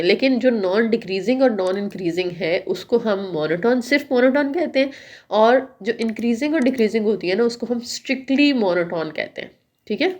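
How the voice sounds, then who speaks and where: A woman tutor with a Pakistani Urdu accent, explaining quiz answers step by step and often checking in with her students. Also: medium pitch. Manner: explanatory, reads English questions slowly then explains; frequent check-ins like "okay". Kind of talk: quiz solution walkthrough.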